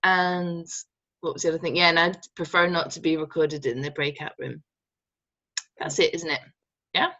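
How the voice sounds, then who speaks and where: A woman's voice: low voice, level tone, normal speed, pauses often, sharp tone, no echo, lo-fi sound. A woman with an English accent introducing herself in a chatty, light way. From England.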